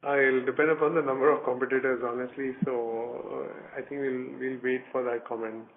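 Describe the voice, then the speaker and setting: A man speaking as a company executive, answering analysts cautiously, with hesitant pauses. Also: mid-range voice, level tone, vocal fry. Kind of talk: answering analyst questions on an earnings conference call. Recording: noisy narrow phone line.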